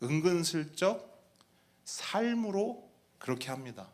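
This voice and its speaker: A man's voice: fairly high pitch, big pitch swings, takes it slowly. A man preaching a sermon as pastor, talking in a conversational way, putting questions to the congregation and acting out mocking voices.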